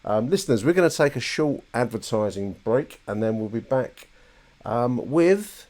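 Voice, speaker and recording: A man's voice: medium pitch, expressive, moderate pace, a little mellow. A man hosting a football podcast, rambling thoughtfully and often hesitating and repeating words.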